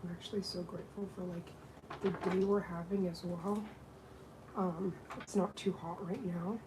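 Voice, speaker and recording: A woman's voice: on the low side, steady tone, moderate pace, noisy background. A woman with a Canadian accent, chatting casually and bubbly while doing a client's nails. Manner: chatty, bubbly, laughs often. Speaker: nail technician. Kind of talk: casual chat while working.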